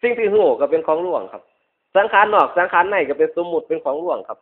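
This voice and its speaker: Through a dull, radio-like lo-fi recording, a male monk with a northeastern Thai Isan accent gives a fast Buddhist sermon. His fairly high voice has lively intonation, and he keeps repeating points emphatically while ending phrases politely.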